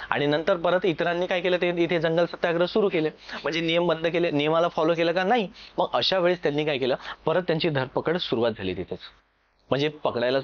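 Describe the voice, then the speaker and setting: A man with a Marathi accent from Maharashtra lecturing like a classroom exam coach, explaining step by step and often checking that students follow. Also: a little high. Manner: explanatory, repeatedly checks understanding with short questions. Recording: dull lo-fi sound.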